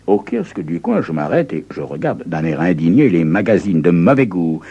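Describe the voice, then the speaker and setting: A man reading a first-person crime story aloud in a theatrical, expressive way. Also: sits low, normal speed, slightly rough, muffled recording.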